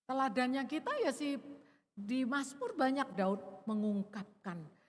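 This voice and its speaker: Woman preacher, middle-aged, chatty and expressive, fairly high, echoing church hall. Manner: conversational, expressive, drops to soft emphasis. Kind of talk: sermon.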